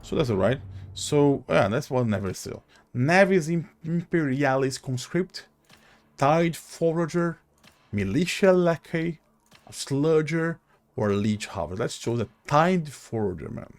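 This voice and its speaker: A man giving casual video game commentary as host, halting and thinking aloud as he goes. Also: on the high side, animated.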